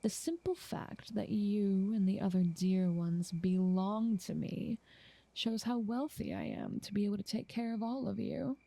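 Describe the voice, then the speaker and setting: Woman playing a soft, breathy, motherly ancient vampire. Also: mid-range voice, fairly even intonation, no room sound. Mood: calmly commanding. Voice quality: soft, breathy, half-whispered. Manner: doting, unhurried, genteel. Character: ancient female vampire, motherly, possessive, genteel, calmly powerful. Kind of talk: intimate ASMR roleplay.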